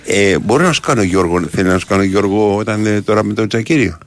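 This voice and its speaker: A man with a Greek accent co-hosting a sports radio show, chiming in with teasing, drily ironic remarks. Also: fairly low pitch. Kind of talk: casual sports talk banter.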